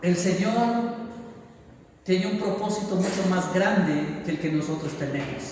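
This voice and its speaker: A high-pitched man preaches to his congregation, exhorting them and throwing out rhetorical questions. His voice rings through a long-reverb church hall, picked up from a distance with a faint hiss behind it. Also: measured pace. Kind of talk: evangelical sermon. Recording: echoey church hall, voice from far off.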